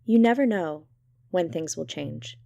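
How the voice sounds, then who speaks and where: A woman's voice: fairly low pitch, expressive, unhurried, vocal fry, mellow, no echo, muffled recording. A woman playing a reflective, wry character in an audio drama monologue, musing intimately.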